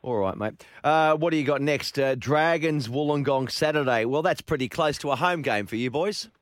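A man's voice: a little high, normal speed, no room sound. Aussie sports radio guy, middle-aged, chatty and friendly, dry studio sound. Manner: chatty, friendly, lots of fillers.

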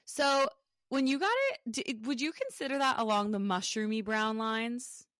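A young woman in her twenties hosting a casual podcast chat, rambling with plenty of fillers and quick laughs. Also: fairly high pitch, fairly bright tone, no room sound. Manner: chatty, lots of fillers and laughs. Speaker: podcast host.

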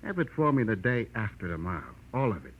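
A man's voice: fairly low pitch, big pitch swings, fast, a little hiss or hum. An actor playing a menacing, mockingly polite gangster debt collector in 1940s radio style, drawling his threats in a taunting way. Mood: smug menace. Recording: muffled vintage radio recording.

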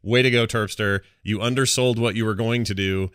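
A man's voice: fairly low pitch, steady tone, moderate pace, a bit bright, clear, resonant tone, no room sound, studio quality. An American man chatting casually as co-host of a gaming podcast. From United States.

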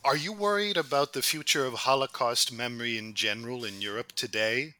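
Very bright, crisp-edged man interviewing. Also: medium pitch, brisk, no room sound. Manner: discursive, builds long qualified questions. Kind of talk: considered, academic interview questioning.

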